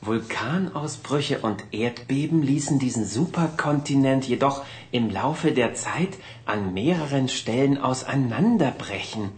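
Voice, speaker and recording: Woman voicing Theo, a low-voiced know-it-all boy. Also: expressive, unhurried, few pauses, darkish tone. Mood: lecturing. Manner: lecturing, matter-of-fact. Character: bookish know-it-all boy explorer, earnest. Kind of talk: children's cartoon voice acting.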